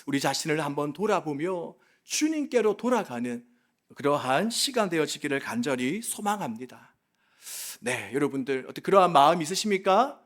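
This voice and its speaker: A man's voice: on the high side, sing-song, moderate pace. A male pastor preaching a sermon, impassioned and pleading, asking the congregation rhetorical questions. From South Korea.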